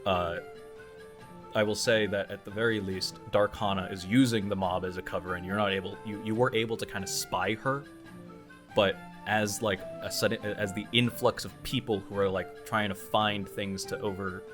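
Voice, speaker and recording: A man with a fairly low voice runs a tabletop game as its game master. He improvises his narration in a halting, conversational way, thinking aloud, with light music playing behind him. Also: steady tone.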